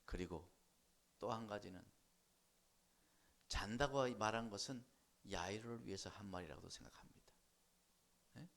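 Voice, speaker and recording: A man's voice: on the low side, normal speed, vocal fry, long pauses. A male pastor giving a sermon in church, prodding the congregation for responses and acting out the voices in the story. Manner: animated preaching, asks the congregation for responses, acts out voices.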